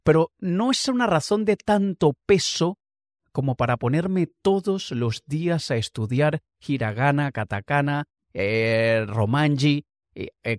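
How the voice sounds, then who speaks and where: A motivational speaker with a voice on the high side gives a conversational, reflective monologue drawn from personal examples, laughing lightly now and then. The studio-quality recording has no echo.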